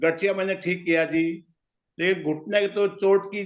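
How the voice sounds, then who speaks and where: With fairly even intonation, this man talks in a high voice. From Haryana, India (Hisar). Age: 60s. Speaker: retired army and public works employee, nutrition customer. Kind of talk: testimony. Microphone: earphone lead removed, phone speaker used.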